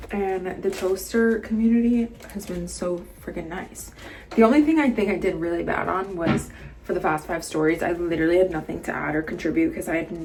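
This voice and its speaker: The speech moves at a fairly quick pace with ordinary pitch variation over noticeable background noise. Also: woman, medium pitch for a woman. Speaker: lifestyle vlogger. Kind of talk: casual vlog talking to camera.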